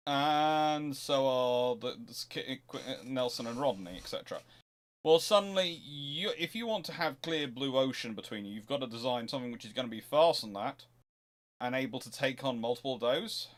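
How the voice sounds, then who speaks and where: A man's voice: medium pitch, animated, normal speed. A man hosting an informal expert question-and-answer talk, discursive and often breaking off to rephrase his sentences as he thinks aloud. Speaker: host answering viewers' history questions.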